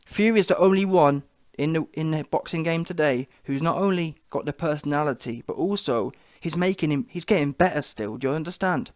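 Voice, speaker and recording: A man's voice: fairly high pitch, fairly quick, no room sound, studio quality. A man with a London accent giving an informal, opinionated boxing reaction, slangy and emphatic, repeating his points for effect.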